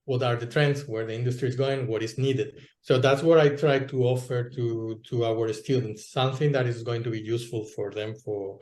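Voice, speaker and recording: A man's voice: mid-range voice, fairly even intonation, normal speed, hardly any pauses, darkish tone, roomy sound. A man, a guest in a casual interview, talking hesitantly with many restarts. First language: Spanish. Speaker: guest, localization entrepreneur.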